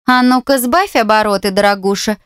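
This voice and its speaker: A venomous young woman purrs her taunts in a coquettish, mocking voice pitched high above the reader's own, as a female audiobook narrator puts her on. The recording is dry and close, with no room sound. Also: animated, moderate pace, no echo. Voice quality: mocking, sugary and spiteful. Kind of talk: audiobook character voice.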